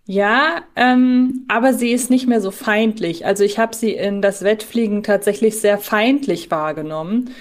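A woman's voice: mid-range voice, normal speed, few pauses. A woman co-hosting a podcast, talking conversationally in a reflective, careful manner. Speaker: podcast co-host. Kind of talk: conversational fan discussion.

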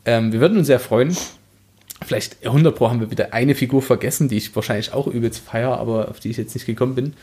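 A man's voice: medium pitch, fast, dark tone. A man co-hosting a podcast, talking in a casual, chatty style. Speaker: podcast co-host. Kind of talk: casual chat.

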